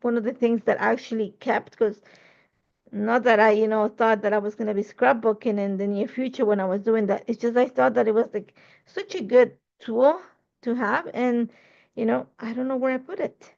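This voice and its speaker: Woman from Ecuador, crafting tutorial host; chatty and rambling, self-correcting, slightly high with vocal fry. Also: steady tone, normal speed, a little mellow, highs cut off. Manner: chatty, rambling, corrects herself mid-sentence. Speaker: scrapbooking crafter demonstrating a layout. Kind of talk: casual craft tutorial talk.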